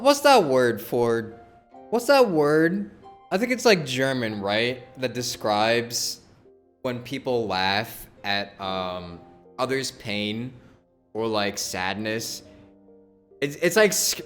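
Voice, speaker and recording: A man's voice: medium pitch, big pitch swings, slow, a bit bright. A man chatting casually while streaming a game, rambling, repeating himself and swearing. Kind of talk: casual live game commentary. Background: game music.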